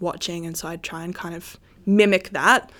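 A woman with an Australian accent talks at a moderate pace with fairly even intonation. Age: 20s. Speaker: film writer and director. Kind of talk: interview.

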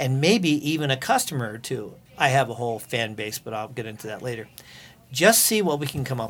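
A man speaks at a medium pitch and a fairly quick pace. His pitch varies in an ordinary way, while his loudness swings widely. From Vermont, US. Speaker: cashier filling in as podcast host. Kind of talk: casual chat, comedic prank episode. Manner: playful, humorous.

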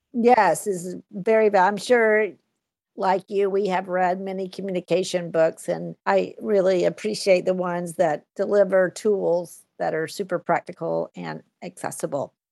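An unremarkable speaking voice from a woman at a fairly slow pace, with fairly even intonation, a quiet background, and a dry, close sound with no echo. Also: medium pitch for a woman. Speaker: podcast host. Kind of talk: interview conversation.

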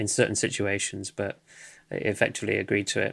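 A man with a British accent speaks at a fairly low pitch on a very clean recording with a silent background. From United Kingdom. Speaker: radio host. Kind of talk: interview discussion. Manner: hesitant, many fillers.

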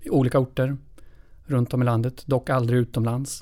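Medium in pitch, a man speaks with monotone, flat intonation. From Sweden, Östergötland. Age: 40s. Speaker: construction executive. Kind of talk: podcast interview.

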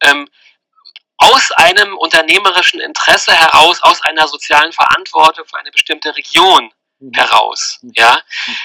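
A man talks at a moderate pace, his loudness swinging widely. The sound is dry and close, with no echo. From East Germany. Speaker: professor of social work. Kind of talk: interview. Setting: Skype call.

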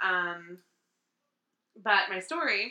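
A woman with medium pitch speaks in a bright, sharp tone. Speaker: podcast host. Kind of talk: casual chat.

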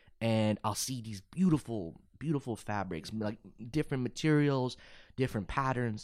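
A man with an American accent and a plain, everyday voice, medium in pitch, at a moderate pace with ordinary pitch variation, on a very clean recording with a silent background. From North Texas (Dallas-Fort Worth area), Pakistani family. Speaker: visual artist. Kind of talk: interview.

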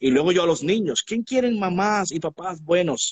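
A man's energetic tone at a moderate pace. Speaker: podcast host. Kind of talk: casual chat.

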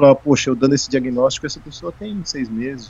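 Over noticeable background noise, a man talks at medium pitch. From Brazil. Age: 30s. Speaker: pathologist on a round-the-world bicycle trip. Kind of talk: casual interview chat.

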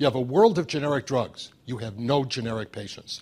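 A man's somewhat breathy voice at medium pitch, with ordinary pitch variation and a fairly quick pace. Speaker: pharmacology professor, lecturer. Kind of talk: conference lecture with case presentation. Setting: conference stage with audience.

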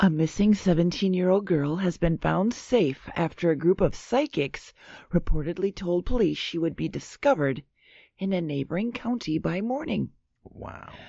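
Speaking with an American accent, a woman uses a normal speaking voice at a fairly low pitch. Her intonation is lively and her pace moderate. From Minnesota. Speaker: panelist. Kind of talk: casual chat.

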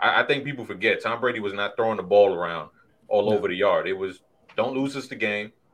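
A man with a New York accent at medium pitch, bright and sharp in tone, with lively intonation and a fairly quick pace. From Brooklyn, New York. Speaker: sports podcast panelist. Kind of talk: casual sports roundtable.

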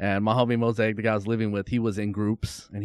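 A man's ordinary speaking voice with an American accent, fairly low in pitch and fairly quick in pace, dry and close with no echo over a quiet background. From Whittier, California. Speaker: rapper. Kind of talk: casual chat. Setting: art gallery.

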